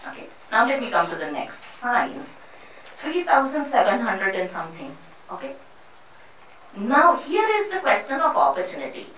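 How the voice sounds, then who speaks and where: A middle-aged woman from India addresses a seminar audience through a handheld mic. Her voice is bright and clear, and she talks earnestly, stopping and restarting often. She is picked up from across a boomy, echoing room. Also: a little hiss or hum. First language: not Hindi; English not first language. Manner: halting, many restarts and fillers, earnest. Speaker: panel speaker. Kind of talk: public talk at a panel. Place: seminar room with a panel seated before a screen. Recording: echoey room picked up from a distance.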